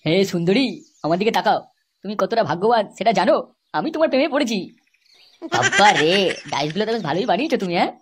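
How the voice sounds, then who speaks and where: A performer voicing a flirtatious, boastful village lover in a comedy cartoon, theatrical and husky, with a West Bengal accent. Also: mid-range voice, big pitch swings, quick pace, a little hiss or hum, lightly acted. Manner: theatrical sweet-talking. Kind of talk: amateur comedy cartoon dialogue.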